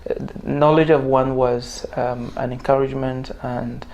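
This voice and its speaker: A man from Nigeria with a Nigerian accent, a non-native English speaker, talking in a halting, measured and formal way in a discussion. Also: medium pitch, little pitch movement, a little mellow, highs cut off, a little hiss or hum. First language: not English. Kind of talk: casual discussion.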